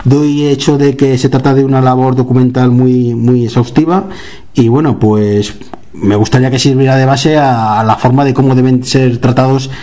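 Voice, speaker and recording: A man from central Spain, an author speaking as an interview guest, recounts stories animatedly and slips into acting out what people said. His pitch is in the ordinary middle range, and his talk is casual and conversational. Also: moderate pace. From Guadalajara, Spain. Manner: animated storyteller, acts out dialogue, laughs while telling.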